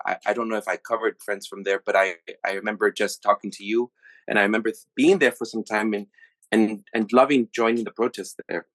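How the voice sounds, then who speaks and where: A man from the USA hosting a podcast, talking through his thoughts in a halting, casual way with many restarts. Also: fairly low pitch, fairly bright tone, no echo, low-quality recording. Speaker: podcast host. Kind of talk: casual reflective monologue.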